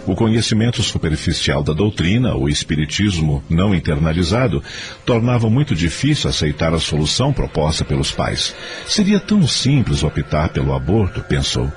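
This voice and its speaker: A man's voice: sits low, sing-song, moderate pace. A man acting as the grave storyteller of a moral radio drama, narrating from a script with a Brazilian accent.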